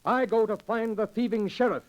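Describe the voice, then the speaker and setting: An actor playing Robin Hood as a bold, merry outlaw leader, in hearty theatrical 1940s radio style with archaic speech. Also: male voice, high-pitched, normal speed, close to an everyday voice, rough recording. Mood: resolute.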